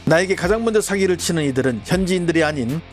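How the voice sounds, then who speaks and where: A man's voice: on the high side, expressive, soft background music. A man narrating as a channel host in a formal, scripted news-commentary style. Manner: brisk, formal delivery.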